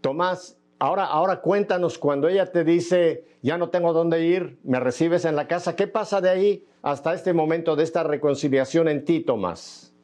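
A man's voice: fairly high pitch, moderate pace, few pauses, darkish tone. A man hosting an interview, emphatic, urging his guest to repeat the key points. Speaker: interview host.

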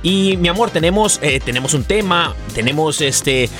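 A Mexican man chats as co-host of a casual religious radio program. His slightly high voice moves in very lively swings, and he is playful and full of colloquial slang. Faint music sits behind him. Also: moderate pace.

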